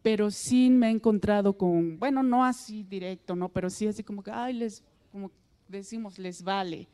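A Mexican woman whose first language is Mixtec, a singer answering interview questions softly and hesitantly with many fillers. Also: medium pitch, moderate pace, clear, resonant tone. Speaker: singer guest. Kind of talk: interview answers and folk singing.

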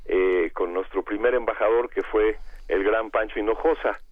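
Hoarse, cavernous Mexican man on the phone. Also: lowish voice. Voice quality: cavernous, congested voice. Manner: halting, hesitant, searching for words. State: hoarse with bronchitis. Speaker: interview guest, illustrator. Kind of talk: conversational radio interview. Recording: tinny phone line.

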